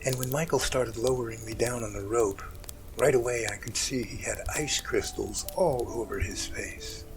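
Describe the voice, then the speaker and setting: Guy acting as emotional rescue guy in an audio drama, earnest halting storytelling, music playing under him. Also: mid-range voice, natural voice, rough recording. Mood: earnest, awed. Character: emotional male mountain rescuer recounting a harrowing rescue.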